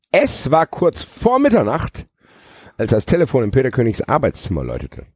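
A man's voice: mid-range voice, darkish tone, slightly rough, no room sound, clean studio sound. A man hosting a podcast, reading a novel aloud with joking asides. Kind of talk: casual read-aloud with banter.

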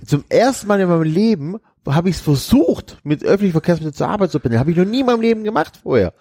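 A man's voice: high-pitched, fast talker. A man in his thirties chatting on a podcast, telling about his commute and teasing a friend with laughter. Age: 30s. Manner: animated, laughing while teasing. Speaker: podcast co-host. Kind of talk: casual chat.

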